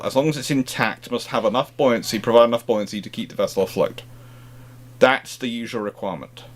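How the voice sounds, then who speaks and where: A man's voice: medium pitch, a bit bright. A man giving expert commentary in a naval history discussion, often reworking his phrases as he goes.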